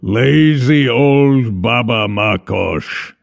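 A man voicing a slow, gravelly ancient serpent god. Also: highs cut off, full character voice. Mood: calm menace. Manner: calm, rumbling, drawn-out. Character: towering ancient male serpent god, calm menace. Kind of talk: audiobook character voice.

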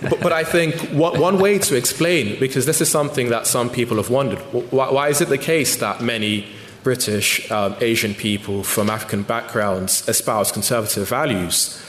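A man's voice: mid-range voice, moderate pace, a bit bright. A man, the guest author, giving a thoughtful public talk with frequent restarts and ums. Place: lecture hall. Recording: echoey hall with faint noise.

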